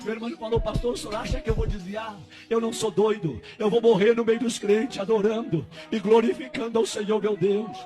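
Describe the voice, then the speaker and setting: A male pastor, preaching a testimony sermon with fervor that rises to shouts. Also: high voice, steady tone, fairly quick, few pauses. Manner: fervent preaching, rising to shouts. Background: music.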